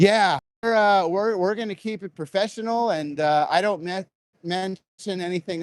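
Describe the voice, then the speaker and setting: A man speaks at a moderate pace in an American accent. The sound is dry and close with no echo, over a quiet background. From US West Coast. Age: 40s. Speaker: livestreamer. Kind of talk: casual live-stream chat while walking. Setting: outdoors, walking. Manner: casual, rambling with frequent repetitions.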